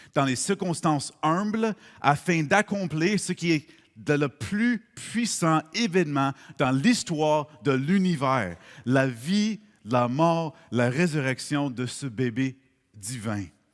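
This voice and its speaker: In a very clean recording with a silent background, a man with an English accent and a fairly high pitch talks at a very slow pace, his voice swinging very widely in pitch. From United States. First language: English (speaking French). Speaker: pastor. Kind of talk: sermon. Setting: church. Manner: halting, repeats words.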